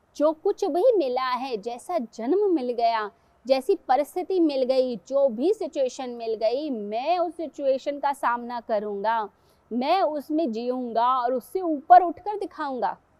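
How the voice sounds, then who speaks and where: The woman's high pitch comes with a dark, mellow tone, and she hardly pauses. The sound is dry and close, with no echo. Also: lively intonation. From India. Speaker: spiritual teacher, meditation guide. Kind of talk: spiritual discourse.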